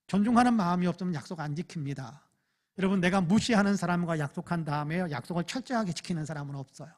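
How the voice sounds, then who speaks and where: A man preaching at a Friday prayer meeting, moving between loud, fervent acted prayers and quiet, intimate asides. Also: a little high. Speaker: pastor. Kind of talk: sermon. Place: church.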